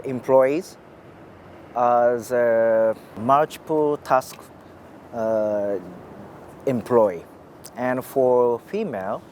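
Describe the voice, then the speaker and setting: Middle-aged man, halting slow delivery, faint outdoor hum behind. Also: medium pitch, darkish tone. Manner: hesitant, many fillers. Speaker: interviewee. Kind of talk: casual interview answers.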